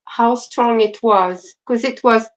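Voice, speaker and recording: A woman with a French accent co-hosting a casual crochet livestream, soft-spoken and apologetic with many fillers. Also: a little high, slow. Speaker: co-host. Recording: dull lo-fi stream audio.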